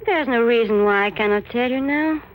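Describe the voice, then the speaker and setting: A woman's voice: on the high side, fairly quick, close to an everyday voice. An actress playing a sinister, commanding supernatural woman, poised and taunting, in 1940s radio horror style. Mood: taunting menace. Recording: noisy old radio recording.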